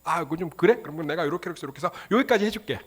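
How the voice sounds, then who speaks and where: 남성 목사가 돈을 밝히는 노회한 외삼촌을 연기하며 계산기를 두드리듯 능청스럽게 흥정한다. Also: male voice, fairly high pitch, expressive, rapid-fire. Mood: haggling. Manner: wheedling salesman bargaining. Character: greedy scheming old uncle haggling over money.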